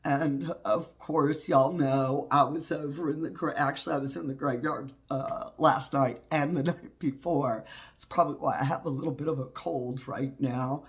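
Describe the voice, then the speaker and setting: A man, hosting his own channel and talking through a personal hardship. His low voice is congested from a cold, and he speaks in a folksy, heartfelt way, full of fillers and restarts. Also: steady tone, moderate pace. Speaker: witchcraft channel host. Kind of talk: personal reflective talk.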